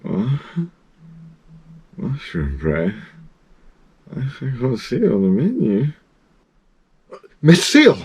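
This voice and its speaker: Man playing sleepy young miner, video game, husky, drawn-out delivery, swooping pitch, easily startled. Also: huge pitch swings, darkish tone, full character voice. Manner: drowsy, slow, then startled. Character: dozy, dim-witted young male miner waking up, easily startled.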